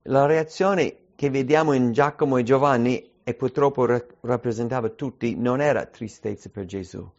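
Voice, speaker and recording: A man's voice: mid-range voice, moderate pace, few pauses, a little mellow. Emphatic male preacher, lo-fi sound. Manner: emphatic, asks many rhetorical questions. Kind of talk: sermon.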